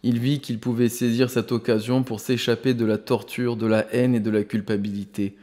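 A man reading a novel aloud as an audiobook narrator, at a steady, even pace. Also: mid-range voice, normal speed, long reverb tail. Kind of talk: scripted narration.

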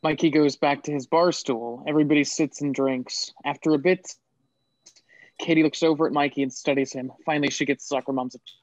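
A man narrating the stage directions in a plain, matter-of-fact way, with a slightly raised pitch. The recording is dry and lo-fi. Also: steady tone, brisk, dry recording. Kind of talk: scripted narration. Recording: dry, dull lo-fi audio.

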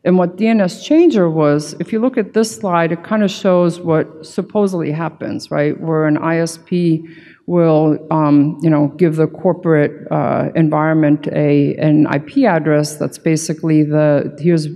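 A woman's voice: sits low, steady tone, normal speed, dark tone. A middle-aged woman giving a conference talk from a podium, explaining things in an emphatic, informal way with plenty of conversational check-ins. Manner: emphatic, informal, peppered with "right" and "you know". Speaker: conference keynote speaker, security consultant. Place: large conference hall stage at a podium. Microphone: podium gooseneck microphone. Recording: hall reverb from a PA.

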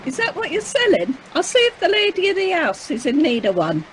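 A woman's voice: extremely high pitch, huge pitch swings, brisk, full character voice. A woman playing a cheeky, officious manservant in an audio pantomime, with a dry, mock-formal manner. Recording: faintly noisy video-call recording.

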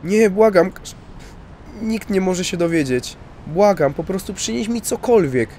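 A man's voice: high-pitched, animated, a little slow, a little mellow, slight background noise, pitched above the performer's own voice. A man doing a pleading desperate priest. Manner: pleading, breathless begging.

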